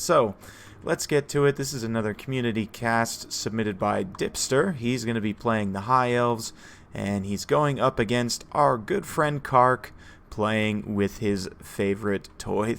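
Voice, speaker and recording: Hoarse man with a gravelly voice. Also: on the low side, a little hiss or hum. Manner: chatty, relaxed, frequent "uh" fillers and laughs. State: hoarse from a cold. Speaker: game commentator. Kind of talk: casual strategy game commentary.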